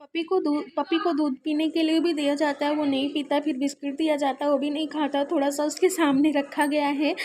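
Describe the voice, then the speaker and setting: A woman's voice: high-pitched, little pitch movement, fairly quick, few pauses, darkish tone, slight background noise. A young woman chatting casually through a family vlog at home, explaining at length with lots of fillers. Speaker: family vlogger and mother. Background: music and prayer sounds nearby.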